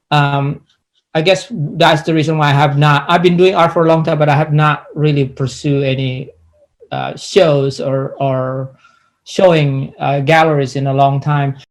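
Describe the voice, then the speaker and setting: A middle-aged Indonesian man, an artist, answers interview questions haltingly, with many restarts and pauses. His voice is on the high side.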